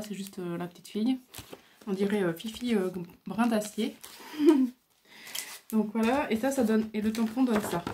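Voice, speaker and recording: A woman's voice: mid-range voice, warm tone, slight background noise. A woman chatting casually as she shows off her craft supplies, hesitant and full of fillers, recorded at home on a camera mic. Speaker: crafting video host. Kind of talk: casual show-and-tell.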